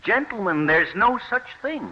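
A man's voice: sits high, big pitch swings, a little slow, heavily acted. An actor playing an earnest, persuasive wheat farmer pleading his case in an old radio drama. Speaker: plant explorer pitching new wheat. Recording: dull lo-fi old radio recording.

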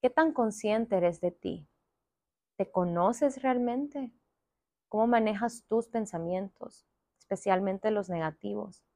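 A young woman hosting a wellness podcast, gently guiding listeners through reflective questions. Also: medium pitch, slow, no room sound. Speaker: podcast host.

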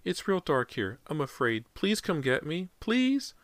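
A man's voice: a little high, sing-song, fairly bright tone, dry recording, voice pushed up. A man voicing a small frightened boy who pleads in a tiny, thin, plaintive voice in an audiobook story. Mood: frightened pleading. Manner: slow plaintive begging.

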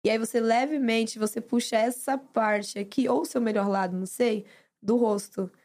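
A young woman from Brazil, a reality show winner chatting as a podcast guest, expressive and quick to laugh. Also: a little high. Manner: expressive, laughs often, storytelling. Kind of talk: casual podcast chat.

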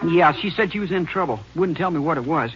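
Nervous, higher-voiced young man. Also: animated, a bit bright, faint music behind. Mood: anxious confessing. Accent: American. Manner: halting, pleading, uneasy. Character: nervous, hesitant young small-town man under questioning. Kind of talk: 1950s radio acting. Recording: muffled, slightly noisy old radio recording.

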